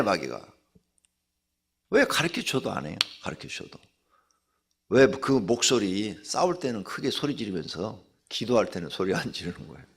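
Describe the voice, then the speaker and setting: A middle-aged male pastor gives a morning sermon in a slightly husky voice, and his pitch rises and falls widely. He talks to his listeners casually, keeps asking them questions, and breaks out into loud shouted commands. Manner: animated preaching, swings from soft asides to loud shouted commands; conversational, rhetorical questions to the congregation. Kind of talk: dawn sermon.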